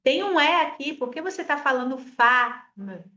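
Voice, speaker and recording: A woman from Espírito Santo with a Brazilian Portuguese accent, teaching a French lesson, explaining patiently, modeling words slowly and urging viewers to repeat. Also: high voice, lively intonation, bright, forceful tone, echoey room, dull audio. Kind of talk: online language lesson.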